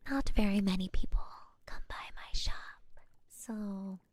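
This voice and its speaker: A woman's voice: medium pitch, a little slow, a little mellow, close to an everyday voice. A woman whispering in the role of a friendly, playful young witch shopkeeper who teases and giggles. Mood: whispery. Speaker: ASMR roleplay creator. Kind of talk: ASMR roleplay.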